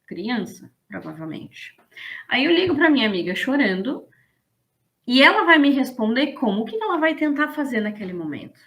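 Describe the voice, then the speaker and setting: A woman, explaining ideas in a casual, animated lesson and checking in with her listeners. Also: high voice, moderate pace. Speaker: business management instructor.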